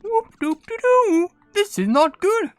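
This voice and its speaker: A small, frightened cookie villager acted by a man from a cute fantasy game. The voice is very high and shrill, with drawn-out, alarmed delivery over music. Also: sing-song, no echo, exaggerated voice.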